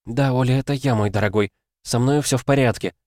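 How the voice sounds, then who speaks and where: A man reading an audiobook, voicing a determined, guarded mother who speaks in a measured, restrained way. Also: mid-range voice, darkish tone, no echo, clean studio sound, voice pushed up, natural voice. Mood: soothing.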